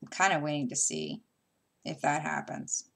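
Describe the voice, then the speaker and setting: Low-voiced chatty woman vlogging. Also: moderate pace, creaky, fairly bright tone. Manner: rambling, chatty, with many fillers and restarts. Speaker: stitching vlogger. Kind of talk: casual chat while stitching. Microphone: camera mic.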